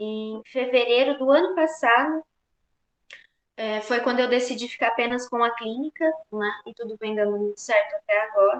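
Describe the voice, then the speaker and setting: Her voice is high-pitched with ordinary pitch variation, as the woman moves at a moderate pace with big swings in loudness in a dry, close sound with no echo. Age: 20s. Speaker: clinical psychologist. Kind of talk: career talk to students. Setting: online video event. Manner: hesitant, many fillers.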